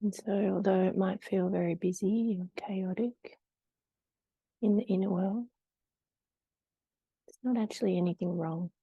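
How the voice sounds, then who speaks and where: Soft, very mellow woman guiding meditation. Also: mid-range voice, fairly even intonation, husky, no echo, muffled recording. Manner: gentle, unhurried, soothing delivery with long pauses. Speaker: meditation guide. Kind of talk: guided meditation.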